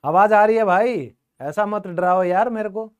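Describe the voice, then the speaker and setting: A male teacher giving an online grammar class, chatty and constantly checking with his students through quick questions. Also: sits high, smooth.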